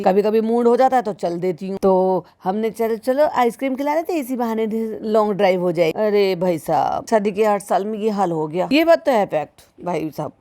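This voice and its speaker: A woman's voice: medium pitch, mellow. A woman giving critical reaction commentary in a sarcastic, scolding manner, often speaking straight to the listener. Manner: sarcastic, scolding, mimics the people she mocks; keeps addressing the listener as "bhai sahab".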